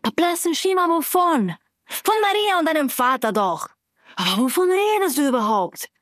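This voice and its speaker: A woman narrator voicing her young heroine, whose dialogue comes out high-pitched, bitter and near-shouting. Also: very animated, moderate pace, dry recording, clean studio sound. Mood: accusing.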